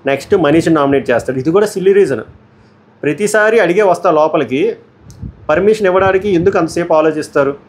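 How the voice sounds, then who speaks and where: A man giving a casual, opinionated review of a reality show episode, blunt and quick, often dropping in English words. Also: fairly high pitch. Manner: blunt, rapid commentary mixing English words.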